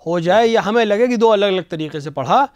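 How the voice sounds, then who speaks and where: A man, a religious scholar on a studio TV show, explaining patiently and slowly reciting phrases to show the right pronunciation. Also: high voice, lively intonation, darkish tone, dry recording, dull audio. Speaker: religious scholar answering questions. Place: television studio.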